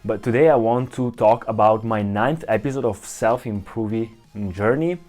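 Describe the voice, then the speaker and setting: A man's voice: lowish voice, normal speed, darkish tone, faint music behind. A young man from Italy with an Italian accent, talking casually to camera in English, often restarting and searching for words. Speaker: vlogger.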